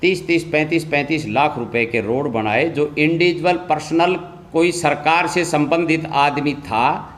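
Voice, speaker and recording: A man's voice: fairly high pitch, a little slow. A man speaking as a local politician making a statement to reporters, insistent, repetitive and accusatory. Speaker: local politician and anti-corruption campaigner.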